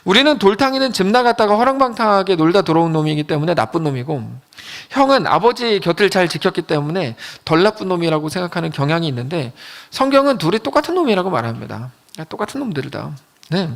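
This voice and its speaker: Lively high-voiced male pastor preaching. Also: fast talker. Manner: lively storytelling, acting out quoted lines in a lower voice. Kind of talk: sermon.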